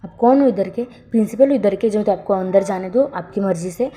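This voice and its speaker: A woman's voice: medium pitch, fairly quick, mellow, close to an everyday voice. A woman voicing a nervous young male student who stammers and pleads in a storybook reading. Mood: pleading.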